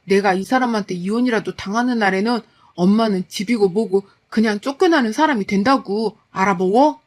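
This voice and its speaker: A woman voicing an exasperated grown son who shouts at his mother. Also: medium pitch, brisk, close to an everyday voice.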